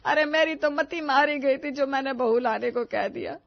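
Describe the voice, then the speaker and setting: A woman voicing a dramatic, complaining elderly mother-in-law in an animated story, wailing and melodramatic. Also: high voice, normal speed, gravelly, no echo, highs cut off.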